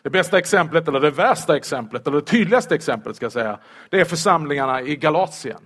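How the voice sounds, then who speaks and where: Male preacher, high-pitched, playful sermon with rhetorical questions. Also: husky. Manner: lively, humorous, asks rhetorical questions. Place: church.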